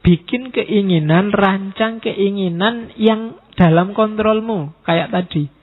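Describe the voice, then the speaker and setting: A man lectures students in a mosque hall, teasing and casual. His voice sits a little high. The sound is thin and tinny, like a phone line. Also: slow. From Indonesia. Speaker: lecturer on philosophy.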